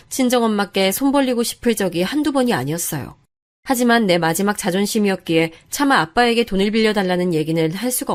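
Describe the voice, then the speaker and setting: Woman narrating a personal story. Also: mid-range voice.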